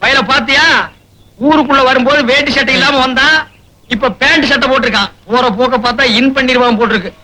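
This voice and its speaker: An actor playing a loud, sarcastic village man in a film comedy, firing off mocking retorts. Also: extremely high pitch, steady tone, quick pace, low-quality recording. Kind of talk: 1980s-90s Tamil film comedy dialogue.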